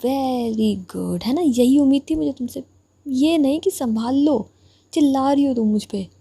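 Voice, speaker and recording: A woman's voice: a little high, brisk, warm tone, slightly rough, no echo. A woman voicing a sarcastic, teasing young woman who bickers with a friend.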